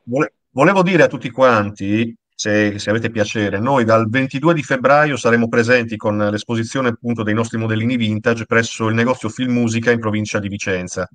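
Middle-aged male, mid-pitched, casual, hesitant phrasing, close dry sound. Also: brisk, a bit bright, no echo. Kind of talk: casual chat. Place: room at home, on a video call.

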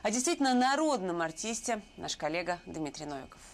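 A woman's voice: fairly low pitch, very animated, fairly quick. Female news anchor in a studio. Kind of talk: scripted news reading.

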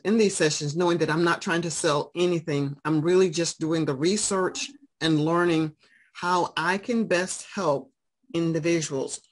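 A woman teaching English to adult learners over a video call from home, speaking in a steady, encouraging way. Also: deep voice. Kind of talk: online class chat.

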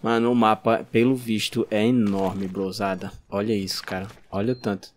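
This Brazilian-accented streamer has a lowish voice and talks at an ordinary speed. Casual and excitable, he yelps during play and scolds the zombies on screen.

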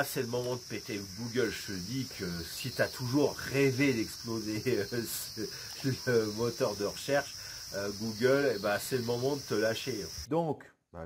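Guy doing a laid-back screen demo, jokey, swears a lot, slow mid voice. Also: medium pitch, noisy background. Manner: joking, swears casually, many fillers. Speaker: web marketing video host. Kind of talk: casual joking screen demo.

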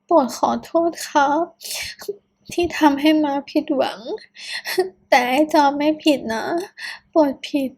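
Brief: a woman playing a tearful young man, high-pitched, sobbing apologies. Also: measured pace, pauses often, a little mellow. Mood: pleading, tearful. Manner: sobbing, pleading.

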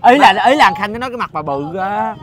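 A man's voice: high-pitched, lively intonation, fast talker, fairly bright tone. A man, goading and teasing his friends in casual banter.

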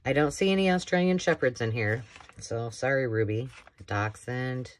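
Filmed indoors at her craft table, this craft channel host rambles happily through a show-and-tell of thrifted books, tossing in enthusiastic asides. She has a bass voice and keeps a moderate pace.

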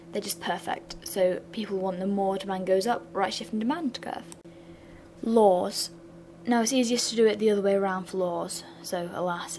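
A young woman with a slightly raspy voice from a sore throat, talking through a revision lesson in a flat, bored-sounding way with chatty asides. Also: mid-range voice, slight background noise. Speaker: revision channel host. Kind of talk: casual revision lesson voice-over.

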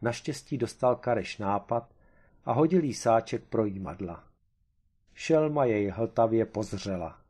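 A man's voice: lowish voice, warm tone. Man reading a comic story aloud. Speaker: narrator. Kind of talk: audiobook reading of a humorous story.

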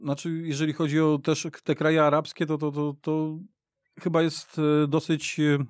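Hesitant man, slightly high voice. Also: monotone, normal speed, dry recording, studio quality. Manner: hesitant, many fillers and restarts. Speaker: radio football pundit. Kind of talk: studio podcast discussion. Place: radio studio.

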